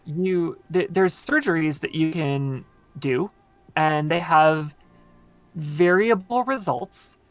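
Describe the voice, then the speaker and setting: A woman with a very low voice, explaining at length in casual conversation with many fillers, her voice tired from long talking. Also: takes it slowly, dry recording. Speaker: podcast guest.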